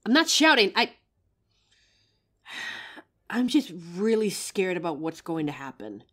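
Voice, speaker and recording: A woman's voice: medium pitch, very animated, slow, a bit bright, full character voice. A young woman voicing an anxious, protective female werewolf who stammers and sighs as she talks to her partner. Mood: worried. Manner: hesitant, stammering, sighing often. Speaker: voice actor in audio roleplay. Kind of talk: audio roleplay for a listener.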